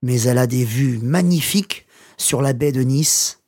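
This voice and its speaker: An actor playing a retired English teacher in his sixties, reading a scripted journal in measured, simple learner's French. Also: medium pitch, darkish tone, no echo, studio quality, natural voice. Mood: content, reflective. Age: 60s. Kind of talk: scripted first-person journal read aloud for language learners.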